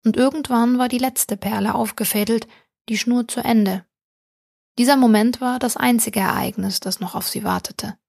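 A woman reading a short story aloud as an audiobook narrator, calm and even, close to the mic. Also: fairly high pitch, moderate pace, creaky, no room sound. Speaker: audiobook reader. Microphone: close studio mic.

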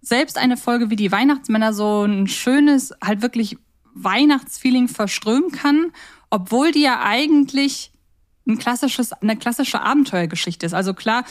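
A woman's voice: fairly high pitch, unhurried. A woman chatting casually as co-host of a fan podcast.

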